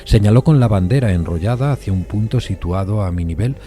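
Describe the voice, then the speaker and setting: Very deep-voiced man narrating a suspense tale. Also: lively intonation, warm tone. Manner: measured, literary storytelling. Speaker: narrator of an audio fiction adaptation. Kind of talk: scripted dramatic narration of a classic suspense tale.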